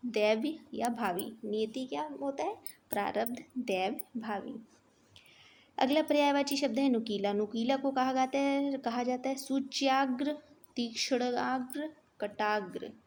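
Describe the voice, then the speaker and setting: Woman teacher, slightly high voice, steady unhurried lesson delivery, faint hiss behind. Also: gravelly. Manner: recites word lists, then repeats them more softly. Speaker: exam prep teacher. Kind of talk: rapid vocabulary lesson, listing and repeating.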